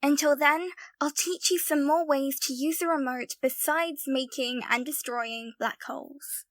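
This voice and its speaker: A woman's voice: high-pitched, fairly even intonation, unhurried, dry recording. A woman playing a patient, matter-of-fact instructor in an audio drama, explaining things precisely. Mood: instructive.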